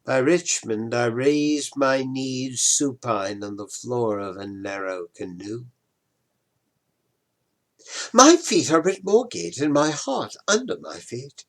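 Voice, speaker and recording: An older man giving a dramatic, deliberate poetry recitation, moving between emphatic swells and hushed drops. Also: medium pitch, animated. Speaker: poetry reader, retired professor.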